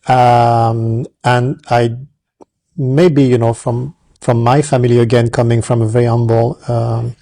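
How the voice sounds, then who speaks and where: A middle-aged man with a French accent, talking as an interview guest, pausing often with many fillers and restarts. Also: mid-range voice, flat delivery, creaky, dark tone, no room sound. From France. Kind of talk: casual interview.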